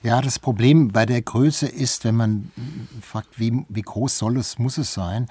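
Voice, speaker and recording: A man's voice: medium pitch, fairly even intonation, measured pace, a little mellow, slightly rough, dry recording. A man speaking as a guest in a panel discussion, explaining and arguing his position spontaneously.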